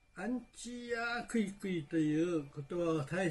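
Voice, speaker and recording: This man's voice is high-pitched with ordinary pitch variation. He speaks at a very slow pace. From Miyako Island, Okinawa, Japan. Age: 80s+. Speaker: dialect preservation society leader. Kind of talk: prepared personal statement. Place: home room.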